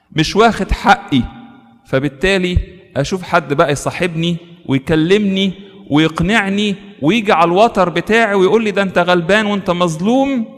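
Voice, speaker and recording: Egyptian male priest, high voice, animated sermon, long church reverb. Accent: Egyptian Arabic. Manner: animated preaching, acts out tempting voices.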